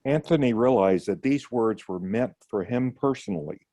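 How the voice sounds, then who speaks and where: A man in a book study group reading a passage aloud in a steady, measured way. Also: medium pitch, dry recording.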